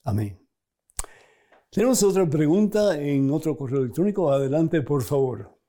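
A middle-aged man, a priest hosting a program, preaching and answering viewer questions in an animated way, chuckling between points. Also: moderate pace. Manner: animated, acts out scripture quotes with sudden pitch jumps.

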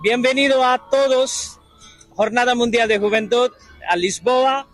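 A man from India speaks with a strikingly high voice in simple, halting phrases. Soft music plays faintly behind him. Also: steady tone, low-quality recording. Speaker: pilgrim interviewee. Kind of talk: short spoken greeting.

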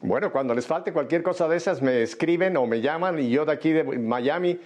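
A man's voice: fairly high pitch, fairly quick, darkish tone. An older man hosting a Spanish-language radio interview, chatty and jovial. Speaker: radio host. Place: studio in Miami.

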